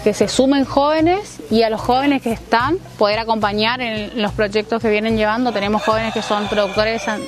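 A young woman farmer from Corrientes, explaining her work in a plain, thoughtful way. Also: fairly high pitch. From Corrientes, Argentina. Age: young adult.

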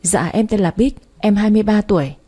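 Woman voicing a shy young woman, hesitant, polite, warm breathy voice. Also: mid-range voice, a little fast, lightly acted. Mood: timid.

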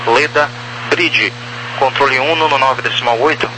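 A man with a Brazilian accent working as an air traffic controller, giving procedural clearances over two-way radio. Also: medium pitch, normal speed. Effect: aviation two-way radio. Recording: noisy radio channel with hum.

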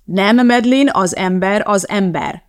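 Woman doing a strict, shouting schoolteacher. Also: mid-range voice, lively intonation, lightly acted. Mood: stern. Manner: scolding, bossy.

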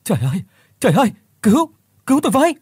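A man's voice: brisk, a little mellow, husky, dry recording. A man doing a stammering, terrified young office worker. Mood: panicked scream. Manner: stammering, panicky, shrill when screaming.

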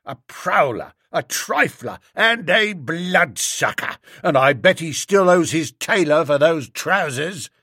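A man's voice: a little high, animated, slow pace, few pauses, bright, forceful tone, husky, dry recording, clean studio sound, exaggerated voice. A man voicing a bearded street-corner agitator who bellows scornful, declamatory speeches at a crowd. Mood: ranting.

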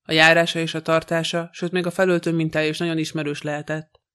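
A man's voice: on the high side, flat delivery, bright, forceful tone, clear, resonant tone. A man voicing a frightened, passionate young woman in an audiobook, pleading and tearful. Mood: insistent.

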